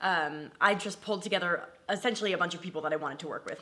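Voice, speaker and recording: A woman's fairly low voice with an American accent, ordinary pitch variation, a very fast pace and noticeable background noise. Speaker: college student and aspiring film actor.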